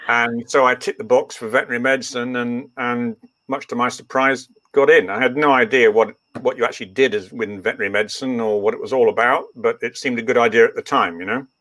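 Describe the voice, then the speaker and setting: A man's voice: medium pitch, fairly even intonation, fast, a bit bright, dry recording. An older man who grew up in East Africa, speaking English with Swahili as his first language, telling his story as a guest in a rambling way full of ums and restarts. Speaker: guest, veterinarian. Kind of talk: relaxed interview storytelling.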